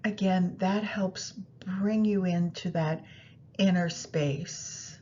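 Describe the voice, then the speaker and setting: A woman guiding a meditation practice in a soothing, unhurried manner, pausing between phrases. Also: dark tone. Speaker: yoga nidra meditation guide. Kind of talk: guided meditation instruction. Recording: muffled, low rumbling background noise.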